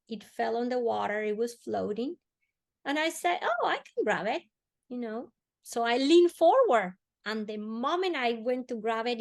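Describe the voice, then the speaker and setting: A woman, a guest on an interview show, telling a personal story earnestly and slowing down softly on emotional moments. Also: mid-range voice. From Colombia. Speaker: podcast guest.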